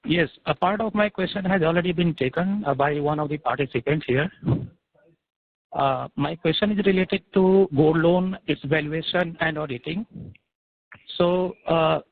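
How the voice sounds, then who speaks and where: A man with an Indian accent speaks in a somewhat high voice over a tinny, radio-like phone line. He is a caller putting questions formally and politely. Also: normal speed. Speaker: caller asking questions on an investor call.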